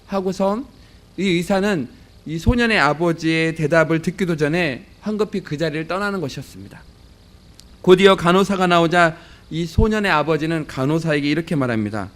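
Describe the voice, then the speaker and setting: A male pastor preaching a sermon, telling a story in a measured way with frequent filler sounds. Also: a little high, fairly bright tone.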